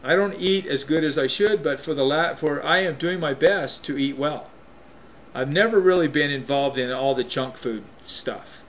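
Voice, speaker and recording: A man's voice: on the high side, normal speed, fairly bright tone, dull audio, slight background noise. A man delivering an opinion rant to camera as a vlogger, emphatic and folksy, often restarting and repeating his phrases.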